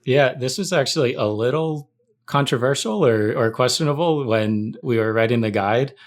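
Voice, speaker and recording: A man's voice: mid-range voice, moderate pace. A man telling anecdotes casually as a guest on a podcast. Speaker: podcast guest, tech writer.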